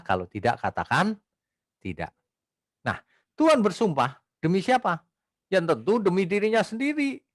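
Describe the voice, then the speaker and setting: A male pastor teaching an online Bible study, reading scripture slowly and asking rhetorical questions. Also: medium pitch, no room sound, studio quality. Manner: reads scripture aloud slowly.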